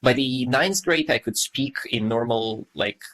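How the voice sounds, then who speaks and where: A man's voice: medium pitch, unhurried, a bit bright, low-quality recording. A man in his thirties from Estonia, a native Russian speaker, talking as a podcast guest in a thoughtful, meandering way with many fillers. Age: 30s. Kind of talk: casual podcast conversation.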